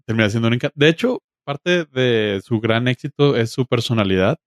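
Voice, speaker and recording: A Mexican man hosting a podcast, talking in a colloquial, joking way. His voice sits at an average pitch and the sound is very dry, with hardly any room in it. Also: moderate pace, no echo. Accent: Mexican Spanish. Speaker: podcast host. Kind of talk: casual chat.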